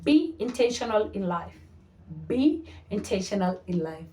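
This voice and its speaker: A woman's voice: mid-range voice, sing-song, unhurried, warm tone, far from the mic. A woman in her thirties chatting to camera as a vlogger, repeating her points and slipping into Swahili. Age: 30s. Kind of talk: casual talk to camera. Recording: roomy sound, voice a little off mic.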